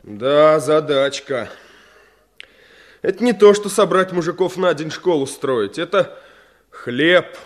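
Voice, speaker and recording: An actor playing a cautious, thoughtful village comrade who speaks in a measured, deliberate way in a radio play. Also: male voice, a little high, expressive.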